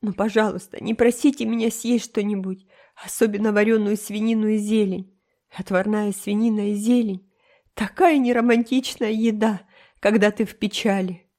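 A woman's voice: medium pitch, steady tone, normal speed, warm tone, close to an everyday voice. A woman voicing a dreamy, dramatic orphan girl in an audiobook, talking in a theatrical, emotional way. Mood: tragic. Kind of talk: audiobook character reading.

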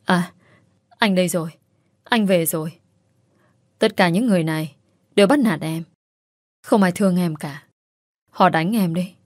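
A woman's voice: on the low side, normal speed, long pauses, no echo, clean studio sound, close to an everyday voice. A woman voicing a scheming young wife who fakes madness, speaking coldly and calculatingly. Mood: pleading. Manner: cold, calculating.

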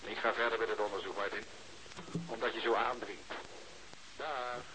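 A man's voice: fairly low pitch, fairly even intonation, normal speed, close to an everyday voice. A man acting a persistent, sardonic, sceptical police investigator in a radio drama. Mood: insistent. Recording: faintly hissy old radio recording.

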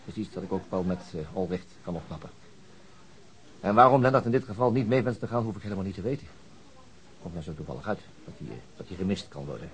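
An actor playing a weary, middle-aged chief inspector in a radio drama, gruff and dry, with hesitant, understated speech. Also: male voice, sits low, lively intonation, fast talker, rough recording. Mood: curt, firm. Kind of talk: naturalistic radio drama acting.

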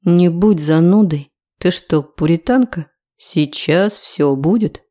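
Женщина читает нахального молодого мужчину, поддразнивает, тянет слова. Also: female voice, on the low side, slow, dark tone. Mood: teasing. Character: cocky teasing young man. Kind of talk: audiobook character reading.

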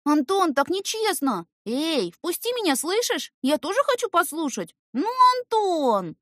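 A cheeky little girl from an audiobook, chirps in a high, ringing voice. Her excitable sing-song delivery swings widely up and down, and the sound is dry. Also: measured pace, no room sound, exaggerated voice. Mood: whiny, pleading. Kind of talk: scripted audiobook character voice.

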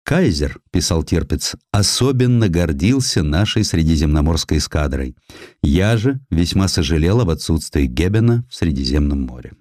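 A man narrating a scripted historical essay as an audiobook, telling it in an expressive, measured, literary manner. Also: very deep voice, dry recording, studio quality. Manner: expressive, measured storytelling delivery.

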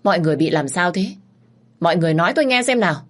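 A woman's voice: on the low side, lively intonation, racing. A woman doing a bewildered young man. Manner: bewildered, insistent. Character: young man, stunned and pleading son.

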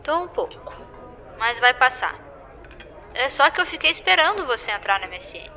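Brief: a woman as a sulky young woman on the phone, very high-pitched, dull muffled sound. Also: sing-song, moderate pace, soft background music. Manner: curt, passive-aggressive. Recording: muffled intercepted call audio.

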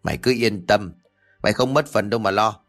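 A man voicing a sly, smooth-talking male gambling lender in a spoken story. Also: lowish voice, a bit bright, faint music behind. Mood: wheedling. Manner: quick, wheedling then threatening.

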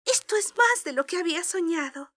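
Woman as a gentle, high-voiced young storybook Cinderella. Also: animated, a little fast. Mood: grateful wonder. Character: gentle, wistful young Cinderella, humble and sweet. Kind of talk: children's storybook record.

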